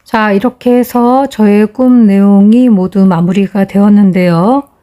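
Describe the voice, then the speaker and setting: A woman speaks fairly slowly at a medium pitch. Her tone is dark and mellow, and her intonation stays fairly even. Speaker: YouTuber sharing dreams for lottery numbers. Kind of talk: monologue explaining dream numbers. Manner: polite formal.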